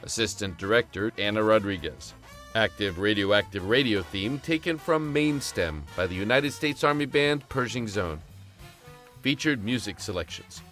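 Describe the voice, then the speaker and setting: A man's voice: fairly low pitch, moderate pace, fairly bright tone, soft background music. A man reading scripted credits as announcer for an audio drama.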